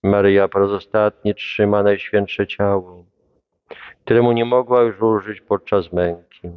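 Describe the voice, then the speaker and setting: A man reading a devotional Passion text aloud in a solemn, measured, reverent way. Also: fairly low pitch, little pitch movement, clear, resonant tone, no room sound, dull audio.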